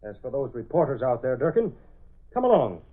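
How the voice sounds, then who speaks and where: A smooth corrupt inspector. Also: male voice, mid-range voice, very animated, a little fast. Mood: scheming. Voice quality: smooth, calculating, condescending. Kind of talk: 1930s radio drama acting. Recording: tinny old radio broadcast.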